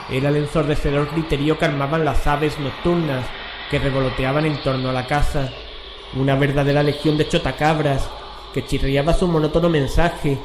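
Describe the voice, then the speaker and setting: Male narrator for horror radio drama: slightly high voice, solemn, literary, measured, roomy sound. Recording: echoey room, clear background noise.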